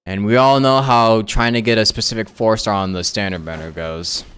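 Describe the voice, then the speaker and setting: A man's voice: fairly low pitch, fairly even intonation, moderate pace, a bit bright, clear, resonant tone. A young man giving casual livestream commentary on a game in an informal, slangy way. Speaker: game streamer. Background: faint game music.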